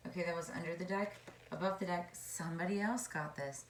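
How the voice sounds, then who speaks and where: A woman with a low, slightly hoarse voice reads tarot cards in a relaxed, wandering way, thinking aloud between cards. Her voice bounces around an echoey room with a faint hum behind it. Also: brisk. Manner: chatty and meandering, musing aloud. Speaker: tarot reader. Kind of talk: casual tarot card reading.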